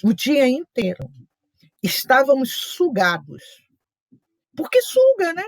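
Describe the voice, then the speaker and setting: Chatty, lively woman teaching. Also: high-pitched, slow, no room sound. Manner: chatty storytelling with asides and quoted remarks. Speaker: study group leader. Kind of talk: casual teaching talk.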